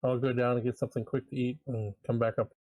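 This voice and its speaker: A man's voice: medium pitch, flat delivery, fast, dark tone, no echo, rough recording. A man playing a tabletop game, easygoing, speaking in short plain sentences. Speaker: player. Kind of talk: casual play at a tabletop game.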